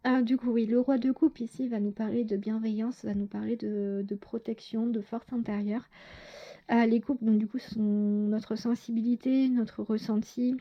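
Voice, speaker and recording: A woman's voice: on the high side, flat delivery, normal speed, dull audio. A woman giving a casual tarot reading to her viewers, talking hesitantly with lots of fillers and self-corrections. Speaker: tarot reader.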